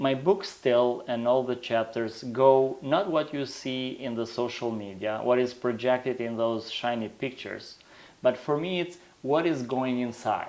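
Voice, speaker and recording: A man speaks at a fairly slow pace with an Albanian accent. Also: medium pitch for a man, ordinary pitch variation. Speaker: author. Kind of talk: interview.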